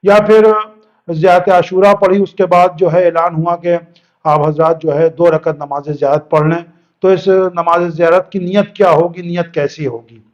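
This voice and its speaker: High-voiced male cleric teaching a lesson. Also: fairly even intonation, lo-fi sound. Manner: mixes English words into his explanation, repeats points to stress them. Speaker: Islamic cleric teaching religious rulings. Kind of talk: religious lesson, explaining step by step.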